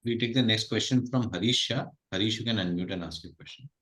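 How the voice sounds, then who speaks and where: A man's voice: fairly low pitch, quick pace, bright, forceful tone. A man moderating an earnings call in a formal way.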